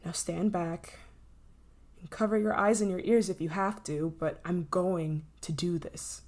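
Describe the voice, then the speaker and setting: A woman's voice: fairly low pitch, fairly even intonation, darkish tone. A woman playing an obsessive, menacing scientist in an intense, possessive ASMR roleplay. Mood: tense, hushed. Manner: intense, pleading, possessive, dramatic pauses. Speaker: voice actor in audio roleplay.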